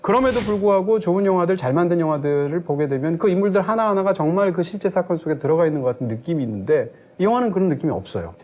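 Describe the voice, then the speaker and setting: A middle-aged man with a fairly high, very animated voice, talking quickly as a film critic. He builds long explanatory arguments in a fluent, lecturing way, with faint music under him. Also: slight background noise. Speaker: film critic co-hosting a movie review show. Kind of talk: analytical film review discussion.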